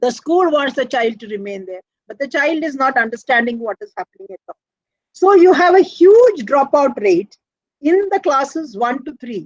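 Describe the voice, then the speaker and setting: Heard with a dry, close sound with no echo, the voice carries a Keralan accent, very wide pitch swings and big swings in loudness. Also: woman, high pitch for a woman, moderate pace. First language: Malayalam. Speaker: education policy expert. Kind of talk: webinar lecture. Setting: online webinar.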